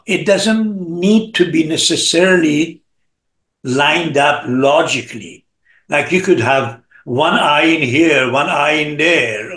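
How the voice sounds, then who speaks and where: A man's voice: fairly high pitch, a bit bright. A man in his seventies teaching art informally and encouragingly on a video call. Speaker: art teacher hosting an online gathering. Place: living room at home, on a video call. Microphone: computer mic on a video call. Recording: roomy video-call sound.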